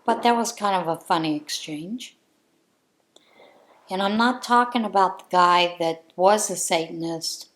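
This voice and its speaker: Slow, earnest woman chatting at home. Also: lowish voice, a bit bright. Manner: earnest, measured and heartfelt. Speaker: crafting channel host. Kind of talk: casual opinion chat.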